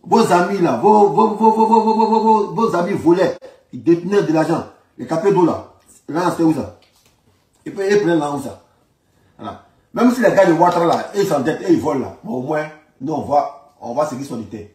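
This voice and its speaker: A man's voice: fairly high pitch, lively intonation, fairly quick, warm tone. A man from Ivory Coast with an Ivorian accent, delivering an informal political rant in an emphatic, repetitive, argumentative manner. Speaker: political commentator. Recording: roomy, echoing sound.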